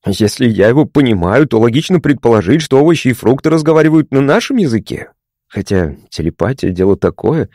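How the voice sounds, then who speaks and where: A man voicing a touchy young male patient who talks matter-of-factly and takes offence quickly. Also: medium pitch, lively intonation, dark tone, no room sound, clean studio sound, lightly acted. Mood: explaining.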